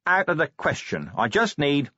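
A man's voice: fairly high pitch, wildly swooping pitch, moderate pace, pushed and bright, husky, dry recording, lo-fi sound, voice pushed up, full character voice. A man voicing a weary, blunt male police commander who talks tersely and urgently in an audiobook.

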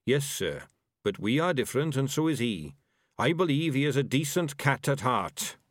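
A man voicing a gentle, thoughtful male rat in a storybook, speaking in a kindly, reflective and deferential way. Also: mid-range voice, very animated, moderate pace, no echo, clean studio sound, voice pushed up. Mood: mild, reasoning.

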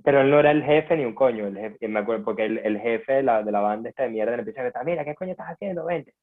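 A man's voice: mid-range voice, rapid-fire. A man with a Venezuelan accent, a podcast guest telling a story in casual, slangy talk. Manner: slangy, informal. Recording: narrow phone-like sound.

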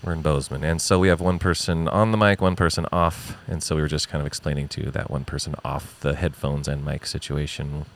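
A man with a very deep voice co-hosts a podcast. He chats casually and informally, recorded out on location. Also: level tone, a little fast, hardly any pauses. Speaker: podcast co-host. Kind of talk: casual chat. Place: on location at an eatery.

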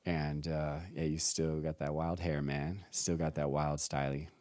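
Very deep-voiced laid-back man host. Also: flat delivery, measured pace, darkish tone, no room sound, studio quality. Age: around 40. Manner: laid-back, laughs often, says "man" a lot. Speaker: podcast host. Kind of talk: casual chat.

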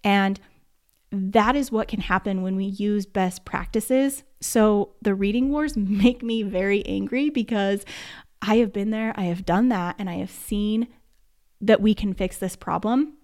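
A woman's voice: mid-range voice, unhurried, darkish tone. A woman who teaches first grade, talking casually and emphatically in a podcast monologue, with lots of "like". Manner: emphatic and chatty, says "like" often.

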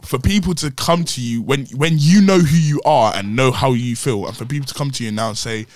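A man's voice: mid-range voice, fairly quick, no echo, studio quality. A young man with a London roadman accent, chatting casually and telling stories in heavy slang. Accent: London, urban roadman slang style. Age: young adult. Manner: slangy, acts out his friends' quotes loudly. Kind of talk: casual chat, animated storytelling.

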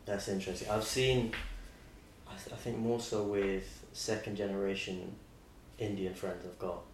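A man's voice: lowish voice, flat delivery, moderate pace. A man, hosting a podcast in casual, rambling chat with many restarts. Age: 20s. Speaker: podcast host. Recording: roomy sound with faint noise.

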